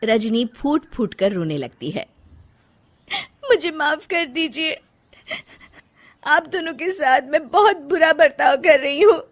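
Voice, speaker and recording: A woman's voice: fairly high pitch, big pitch swings, measured pace, few pauses. A woman voicing a young, unhappy daughter-in-law in a cartoon story who speaks sharply and defiantly and later cries. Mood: tearful. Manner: sharp and defiant, then tearful. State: crying.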